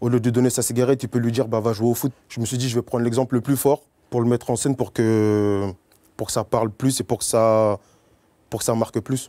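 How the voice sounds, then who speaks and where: A man's dark, mellow voice in a monotone, flat delivery at a fairly quick pace, over a quiet background. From Paris suburbs, France; France. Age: 20s. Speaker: photographer. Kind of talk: personal presentation of his work. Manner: casual, hesitant with fillers. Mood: calm, earnest. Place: studio.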